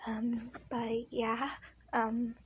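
A woman's voice: on the high side, completely flat delivery, extremely slow, highs cut off, a little hiss or hum, voice pushed up. A woman voicing a shy, insecure teenage schoolgirl in an improvised ASMR roleplay, hesitant and apologetic. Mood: hesitant, self-conscious.

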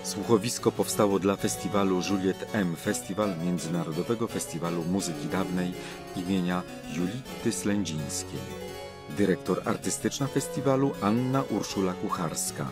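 A man's voice: sits low, moderate pace, over music. A man reading scripted credits as a radio announcer.

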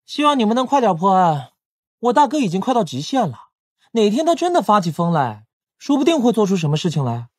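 A man playing a playful, chatty young gangland casino owner in an audiobook drama, with a whiny, animated manner. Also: sits high, brisk, breathy edge, no echo, studio quality, full character voice. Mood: complaining. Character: playful, chatty young male casino-owning crime boss's brother. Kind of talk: Mandarin audiobook drama acting.

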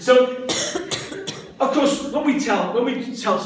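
A man in his fifties giving a live talk as a storyteller and teacher trainer, with an animated, theatrical, emphatic delivery. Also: very high voice, slow. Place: medium-sized classroom, indoors. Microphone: distant camera microphone. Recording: echoey room, far microphone, background noise.

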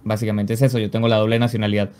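A man of twenty-five with a Venezuelan accent, a guest telling his story in a casual interview over a video call, relaxed and full of fillers. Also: fairly low pitch, very fast, smooth. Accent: Venezuelan Spanish. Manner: relaxed storytelling, frequent "básicamente" and "o sea". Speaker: guest, esports caster and pro player. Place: small home streaming room. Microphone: headset on video call.

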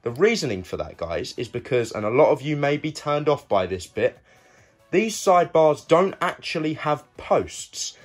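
A man's voice: fairly high pitch, very animated, moderate pace, faint music behind. A young man giving a casual, conversational product review, talking directly to his viewers. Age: young adult. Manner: conversational, addresses viewers as guys. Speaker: video reviewer and host.

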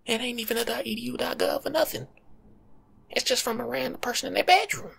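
A young American man giving soft-spoken ASMR advice in a slangy, teasing, lecturing way, often slipping into a breathy whisper. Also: very high voice, fast. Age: young adult. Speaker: ASMR creator playing a life coach. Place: small home room, seated indoors.

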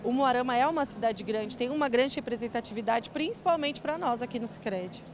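A woman's voice: a little high, a little fast, background noise. A young woman from São Paulo city, a bank branch manager answering interview questions cheerfully into a handheld mic in a large event hall. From São Paulo city, Brazil. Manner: cheerful, laughs easily. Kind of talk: casual interview chat. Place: large indoor event hall with rows of chairs.

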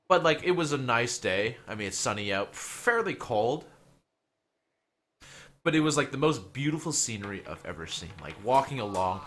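A man's voice: on the low side, sharp tone, slight background noise. A man rambling casually and swearing as he livestreams a game. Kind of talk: casual livestream chat over gameplay.

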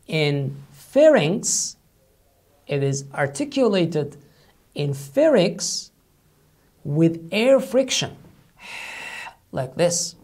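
A man teaching a recorded online language lesson, patient and explanatory, who slowly repeats each sound several times to demonstrate it. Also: a little high, vocal fry, a little mellow.

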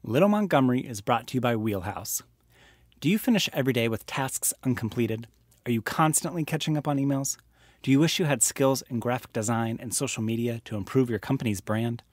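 A man with a mid-pitched voice reads a scripted sponsor message. The recording is close and dry, in the style of a podcast advertisement. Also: fairly quick, dry recording. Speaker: sponsor announcer.

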